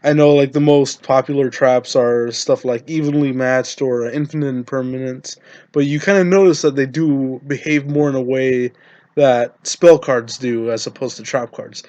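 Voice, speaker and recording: A man with a hoarse voice from being sick, giving casual card-game deck-building tips to his viewers in a halting way, with many fillers and restarts. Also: mid-range voice, fairly even intonation, a little mellow, no echo. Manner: hesitant, many ums and restarts. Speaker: Yu-Gi-Oh content creator.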